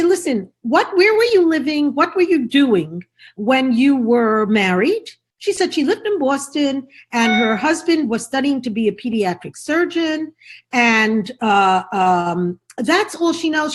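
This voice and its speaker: A woman from New York giving an impassioned lecture, telling stories about her work and asking rhetorical questions. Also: high-pitched. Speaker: speaker on agunah cases. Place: Los Angeles event.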